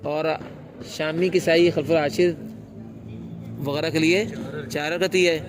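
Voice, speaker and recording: Teaching Quran recitation rules, a man speaks in a steady, higher-pitched tone, asking his class questions and then supplying the answers. At one point he chants a short recitation example, and slight background noise is audible.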